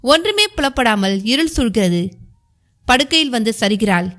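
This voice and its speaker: A woman narrating a historical novel as an audiobook, in a measured storytelling manner. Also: fairly high pitch, lively intonation, fairly bright tone.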